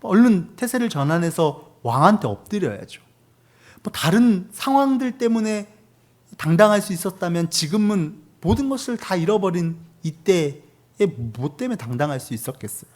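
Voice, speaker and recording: A male pastor in his thirties gives a sermon in a conversational style. His voice sits slightly higher than most men's. He poses rhetorical questions to the congregation and answers them himself. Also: very animated, normal speed. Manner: conversational preaching with acted quotes and rhetorical questions.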